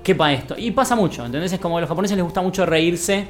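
A man's voice: high-pitched, rapid-fire, soft background music. A man with an Argentine accent, chatting on a gaming podcast and explaining at length, with many fillers and restarts. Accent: Argentine Spanish. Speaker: podcast co-host. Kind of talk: casual gaming podcast chat.

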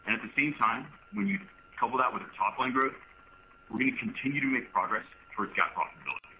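A man answering investor questions as a finance executive, explaining in a measured way and often repeating words. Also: medium pitch, animated. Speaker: finance executive on an earnings call. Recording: muffled, faintly noisy conference line.

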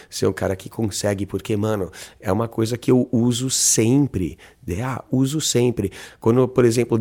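A young man with a Brazilian Portuguese accent co-hosting a casual podcast, animated and slangy, sometimes slowing into a calm low voice. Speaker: podcast co-host.

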